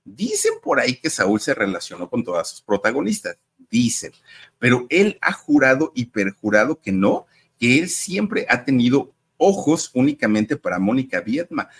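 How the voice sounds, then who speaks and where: A man's voice: medium pitch, very animated, moderate pace, slightly rough. A man with a Mexican accent who hosts a show and tells celebrity stories in a chatty way, addressing viewers directly. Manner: conversational, addresses viewers directly, uses fillers. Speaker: entertainment gossip host.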